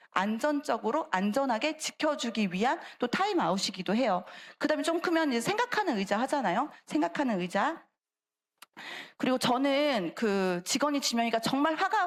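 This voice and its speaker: A middle-aged woman gives a seminar talk in a church. Her voice sits high and swoops up and down with energy. She keeps it chatty and acts out little voices as she explains. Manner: animated, acts out quoted voices, chatty asides. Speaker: church lecturer. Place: church sanctuary.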